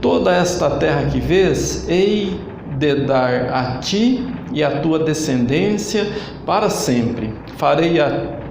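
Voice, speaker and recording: A man's voice: fairly high pitch, lively intonation, creaky, a little mellow, echoey room, slight background noise, poor audio. A man from Brazil with a Brazilian Portuguese accent, preaching an online sermon as church leader and calling for answers from the congregation. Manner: slow, emphatic preaching with call-and-response. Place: church hall.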